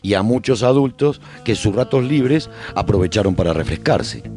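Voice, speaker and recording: A man playing a survivor who calmly narrates life in a post-apocalyptic colony for a radio drama, reflective and husky, with pauses. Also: on the low side, soft background music, natural voice. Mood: calm recounting. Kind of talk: scripted first-person radio drama narration.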